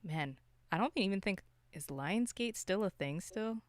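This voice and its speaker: A podcast host chatting casually about films and games in an animated, self-interrupting way with some mild swearing. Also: mid-range voice, measured pace, dry recording. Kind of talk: casual film and game discussion.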